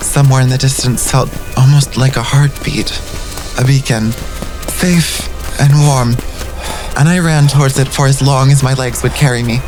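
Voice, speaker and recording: A man's voice: mid-range voice, steady tone, normal speed, natural voice, low-quality recording. Man as melodramatic young narrator, self-deprecating, mid-range voice, scripted audio drama, music behind. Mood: tense, awed. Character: wry, melodramatic young narrator fleeing danger.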